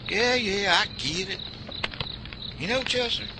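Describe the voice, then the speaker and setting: Guy doing a high twangy buddy, nervous, crickets loud behind him. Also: measured pace. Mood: plain talk. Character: jumpy rural man, Chester's buddy. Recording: loud cricket night noise.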